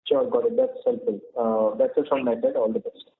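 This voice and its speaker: A man, an analyst asking hesitant, halting questions over a thin phone line. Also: mid-range voice, sing-song, vocal fry. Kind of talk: question on a conference call. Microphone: telephone.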